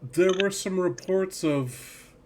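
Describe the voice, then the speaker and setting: A man's voice: high voice, slow pace, a little mellow, a little hiss or hum, pitched above the performer's own voice. A man voicing a polite, concerned villager checking on the boats, in a raised voice.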